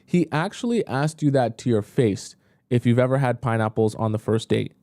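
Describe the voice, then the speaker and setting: A man's voice: medium pitch, lively intonation, normal speed, dark tone, no room sound, studio quality. A young man coaching on dating during a live stream, talking casually with lots of fillers and reacting in disbelief to viewer messages. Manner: casual, chatty, frequent fillers, reacts with disbelief while reading. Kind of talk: live-stream advice, reading viewer questions aloud.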